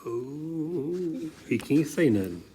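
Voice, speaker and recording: A man voicing an excitable, sassy alligator king who drawls comic, repetitive interjections. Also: on the high side, slow. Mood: marvelling, teasing.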